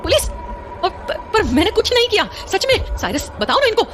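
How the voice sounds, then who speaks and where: A woman's voice: very high voice, very animated, normal speed, a bit bright, a little hiss or hum, exaggerated voice. An actress playing an emotional nanny protesting her innocence in a horror audio drama. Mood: desperate pleading. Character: indignant, desperate nanny wrongly accused, a young mother. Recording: dramatic music and crowd behind.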